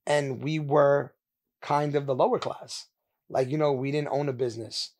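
A man in his thirties from India, a podcast guest telling his story in a candid, animated way with quick laughs, speaking into a studio mic. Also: mid-range voice. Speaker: podcast guest, sneaker store owner. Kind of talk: casual interview chat. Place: sneaker-lined studio, indoors. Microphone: mounted podcast mic with headphones.

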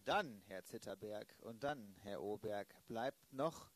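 A man playing a polite, businesslike police detective in an improvised radio play, formal, deliberate and direct. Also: on the low side.

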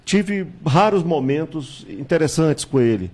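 A man, a candidate recounting his life in a studio interview, measured and reminiscing, with hesitations and tag questions, on a handheld mic. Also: a little high, very animated, a little mellow. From Salvador, Bahia, Brazil. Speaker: political candidate, guest. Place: small TV studio with virtual set.

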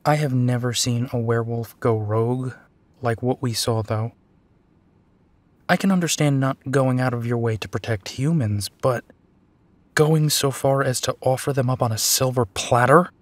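A man playing a gentle, protective, weary werewolf detective in an intimate audio roleplay, with a soft, halting delivery. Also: medium pitch, no room sound, natural voice. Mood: reflective, wistful.

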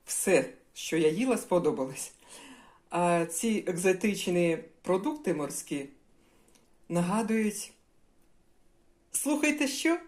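A woman's voice: lowish voice, a little mellow. An older woman chatting casually at home while she tastes food and cooks, giving homely advice to her viewers. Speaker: home cooking vlogger. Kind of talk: casual talk while tasting and cooking.

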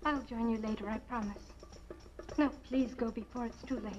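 A woman's voice: a little high, fairly even intonation, moderate pace, close to an everyday voice. An actress playing a devoted, resolute alien moon woman, earnest and formal in 1950s B-movie style. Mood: earnest, urgent. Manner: earnest, formal, uncontracted phrasing. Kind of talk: 1950s science fiction B-movie acting. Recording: dull old film soundtrack, loud music.

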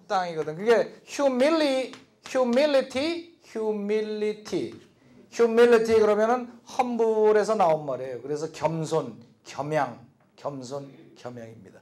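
A man teaching a lecture class, explaining quickly between slow, repeated English drill phrases. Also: high voice.

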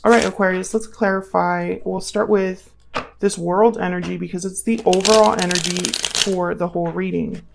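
A woman giving a casual tarot reading, thinking aloud and speaking straight to the listener in a conversational way, with gravelly vocal fry. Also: lowish voice, fairly even intonation, moderate pace, background noise. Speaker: tarot reader, channel host.

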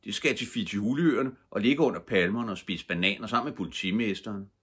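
An older man voicing a sensible elderly gentleman who explains things plainly, in a husky voice. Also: on the low side. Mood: explaining.

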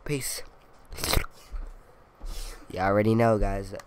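A man's voice: fairly low pitch, fairly even intonation, slow, a crowd in the background. A young man with a stuffy, congested voice and a cough, rambling casually over his gameplay commentary with lots of fillers and playful boasting. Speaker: gaming video creator.

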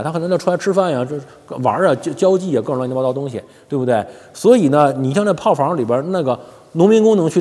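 A slightly rough, somewhat high male voice belongs to a commentary channel host doing a casual monologue on a lapel mic. He's animated and jokey, laughing often and stammering over repeated words, with a long hall reverb on the recording.

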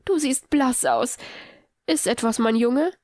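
A woman's voice: high-pitched, slow pace, vocal fry, darkish tone, no echo, clean studio sound, exaggerated voice. A woman voicing a fussing, motherly middle-aged woman who dotes on a boy. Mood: doting. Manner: doting, fussing.

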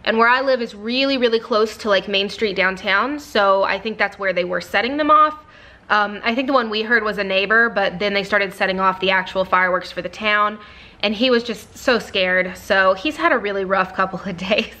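A woman's voice: medium pitch, moderate pace, sharp tone. A young woman in casual vlog chat from her home office, talking with lots of fillers into a camera mic. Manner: chatty, many fillers, baby-talks to her puppy. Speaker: vlogger and small shop owner.

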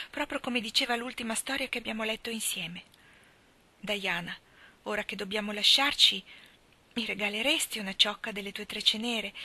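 A woman's voice: fairly high pitch, bright, forceful tone. A woman voicing a dramatic, sentimental orphan girl who talks in a gushing, theatrical way.

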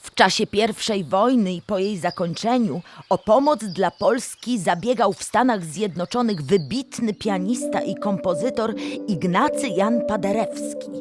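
A woman's voice: medium pitch, measured pace, hardly any pauses, over music, lightly acted. A woman playing a friendly female cartoon animal who explains history in a children's audio drama, speaking with careful enunciation. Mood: explanatory.

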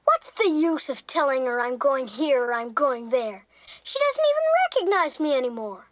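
A woman voicing a blunt, self-interested young child in an animated film. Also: high voice, moderate pace, no room sound, rough recording. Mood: protesting.

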